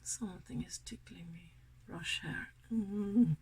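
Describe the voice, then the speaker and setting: A woman from Sweden with a Swedish accent, chatting softly and giggling through a makeup tutorial, sometimes dropping to a whisper. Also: mid-range voice, takes it slowly, slight background noise. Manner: soft-spoken, giggly, often drops to a whisper. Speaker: makeup vlogger. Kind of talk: casual makeup tutorial chat.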